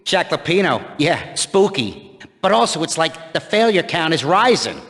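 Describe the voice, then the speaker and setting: Casual henchman, video game: high, animated, long reverb. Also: normal speed. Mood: uneasy. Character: chatty, casual henchman gangster. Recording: reverberant hall.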